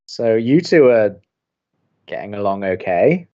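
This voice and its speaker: A man's voice: on the low side, very animated, measured pace, warm tone, muffled recording. A man playing a wry, sceptical young college radio co-host in an audio comedy, with a dry, teasing delivery. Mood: surprised, teasing. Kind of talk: audio drama romantic comedy dialogue.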